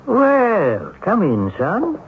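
Folksy old ghost, tinny radio. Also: male voice, sits high, huge pitch swings, extremely slow, heavily acted. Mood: calm, welcoming. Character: kindly folksy old male ghost, calmly atoning. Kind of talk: 1970s radio drama acting. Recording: phone-like band, noisy old radio recording.

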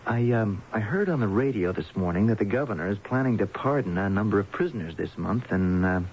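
A man's voice: lowish voice, lively intonation, a little fast. A man acting a folksy, well-meaning acquaintance in a radio mystery drama, conversational and a little hesitant. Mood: earnest, hesitant. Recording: dull, noisy vintage radio recording.

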